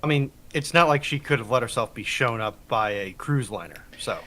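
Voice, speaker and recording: A man with a bright, forward voice at an ordinary male pitch. He chats casually as a livestream panelist, with a dry, wry way of commenting. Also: animated, moderate pace. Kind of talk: casual chat.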